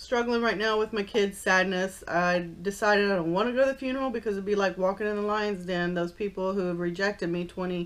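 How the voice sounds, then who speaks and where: With hardly any pauses, a woman rattles along at a very fast pace in a medium pitch. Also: fairly even intonation. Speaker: mukbang vlogger. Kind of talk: casual chat. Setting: at home. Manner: loud.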